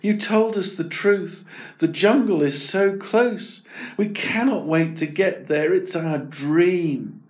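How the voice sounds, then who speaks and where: A man's voice: high-pitched, takes it slowly, voice pushed up. A man voicing a loyal, hopeful male elephant with a raised, eager voice.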